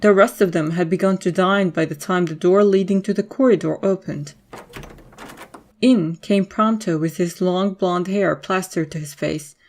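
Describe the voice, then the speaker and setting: A woman's voice: lowish voice, normal speed, a little mellow. A woman reading scripted story narration as the narrator of an audio drama.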